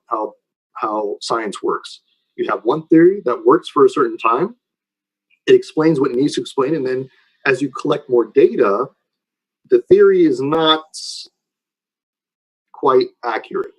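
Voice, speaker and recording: A man's voice: mid-range voice, animated, normal speed, pauses often, slightly rough, poor audio. A man lecturing informally and taking questions, explaining in a conversational way and often checking that listeners follow.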